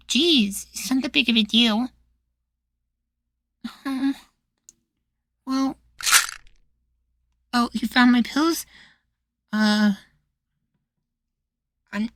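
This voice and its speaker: A woman's voice: fairly high pitch, gravelly, no echo, exaggerated voice. A woman playing a meek, sweet young boywife in a futuristic ASMR roleplay, hesitant and full of trailing questions. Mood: nervous, questioning. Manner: hesitant, soft-spoken pleading, trailing questions.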